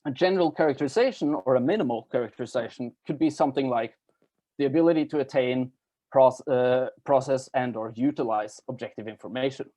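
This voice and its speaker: A man giving an academic talk, explaining step by step with halting self-corrections. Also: medium pitch, mellow. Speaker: academic presenter. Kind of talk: academic lecture at a workshop.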